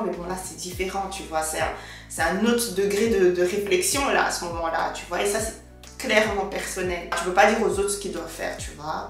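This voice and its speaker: A young woman chatting casually to her viewers while doing her makeup, slangy and direct. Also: medium pitch. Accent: French with English loanwords. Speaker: beauty vlogger. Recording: echoey room from a distant mic.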